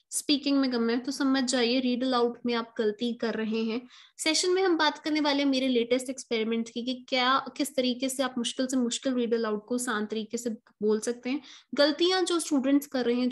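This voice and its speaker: High-voiced woman teaching a lesson. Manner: explanatory, addresses viewers as guys, slows down to stress words. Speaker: exam prep tutor. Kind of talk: online lesson, Hindi mixed with English.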